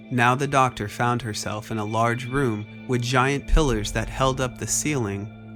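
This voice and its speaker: A man reading scripted dramatic fiction as the narrator of a story. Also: medium pitch. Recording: loud music under voice. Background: music.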